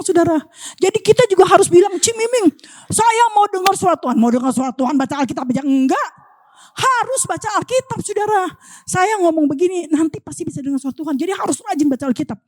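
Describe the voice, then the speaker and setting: A woman's voice: sits high, no echo, clean studio sound. A woman preaching a sermon in church, talking animatedly and calling out to the congregation again and again. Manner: animated, addresses congregation as "Saudara" constantly.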